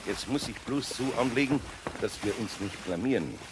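Man playing indulgent older craftsman, Bavarian accent, lively melody, colloquial, children's audio drama, noisy boat ambience. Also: medium pitch, normal speed, lightly acted. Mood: calm, reassuring. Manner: easygoing, colloquial. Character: good-natured older master craftsman, calm and indulgent. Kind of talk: German children's radio play acting.

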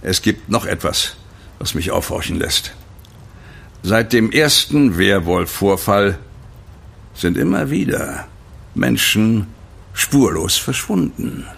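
A thoughtful police inspector in a horror radio play. His voice is fairly low and gravelly, and his delivery is tactful, deliberate and tentative. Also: very animated, fairly bright tone, exaggerated voice. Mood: pondering. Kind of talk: German horror audio drama acting.

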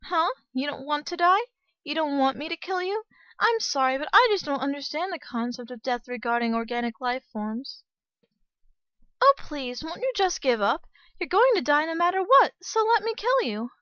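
Sugary, polite killer schoolgirl for anime, woman acting, high and bright. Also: animated, normal speed, no echo, lo-fi sound. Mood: sweetly menacing. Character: sweet, polite schoolgirl with murderous calm. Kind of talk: anime dub audition acting.

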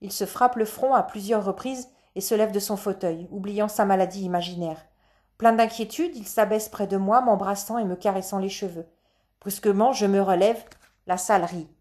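A woman narrates a children's novel in the first person, calm and measured. Her voice sits at a middle pitch for a woman. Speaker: audiobook narrator. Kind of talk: first-person storybook reading.

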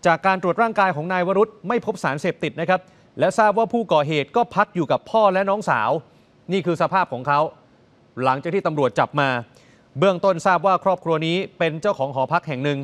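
A man presents the news with a high, ringing voice. He puts heavy stress on his words and keeps turning to the audience as he reports. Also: fast talker, a bit bright. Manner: emphatic, addresses viewers directly.

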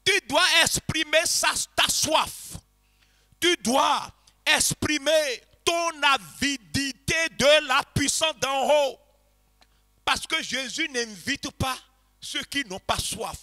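A man preaching a revival sermon to a congregation, passionately shouting and chanting repeated phrases and leading them in prayer. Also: very high-pitched, slow pace. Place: church congregation.

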